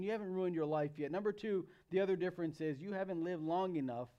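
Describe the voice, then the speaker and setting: With a high-sitting, darkish voice, a man in his thirties with an American accent preaches to young people as their pastor. He talks conversationally but emphatically, repeating phrases to stress them.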